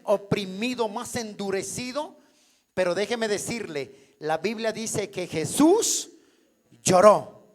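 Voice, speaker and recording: A male pastor delivers a sermon in a church, his voice pitched remarkably high for a man. He preaches at an unhurried pace, stretching out key words. He keeps throwing questions to the congregation so they will answer back. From Colombia.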